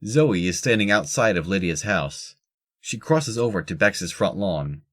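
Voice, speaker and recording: A man's voice: low voice, expressive, a little slow, a bit bright. A man reading scripted narration for an audio drama.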